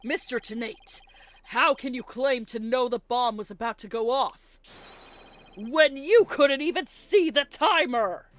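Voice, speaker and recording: A woman's voice: on the high side, a little slow, a bit bright. A woman hosting a let's play, reading video game dialogue aloud and chatting casually. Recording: game music behind. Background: video game music.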